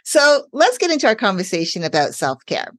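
A woman's voice: fairly high pitch, sing-song, a little fast, dry recording. A woman hosting a podcast interview, speaking in an upbeat, welcoming way as a self-care coach.

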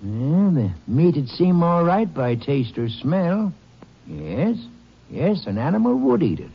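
A helpful, measured small-town doctor in a 1950s radio drama. His voice is husky and expressive in pitch, on a dull vintage broadcast recording. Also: full character voice. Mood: thoughtful.

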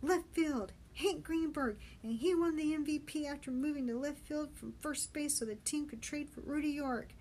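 Young male Marine as read by a woman, high voice, frightened, plaintive, breathless yet stubborn, for a storybook. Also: normal speed, few pauses, darkish tone, slight background noise, lightly acted. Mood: shouting, defiant. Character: scared, exhausted but stubborn boy Marine, Patty.

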